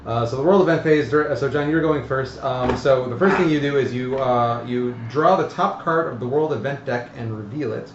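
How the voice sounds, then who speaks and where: A man hosting a casual tabletop game stream, explaining the rules in a halting, hesitant way. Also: medium pitch. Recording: roomy, dull audio with faint noise.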